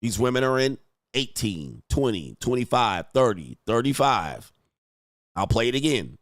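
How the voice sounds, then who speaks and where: This very animated, medium-pitched male voice moves a little slowly as he plays a profane, mocking dating coach reacting to clips. He hammers certain words for emphasis and swells abruptly, keeping the commentary brash and provocative. The sound is clean studio quality with no room sound.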